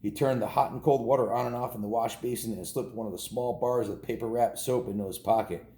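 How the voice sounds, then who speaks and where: A man's voice: mid-range voice, fairly even intonation, quick pace, mellow, echoey room. A man reading a children's story aloud in an informal, homespun way, stumbling and correcting himself with casual asides.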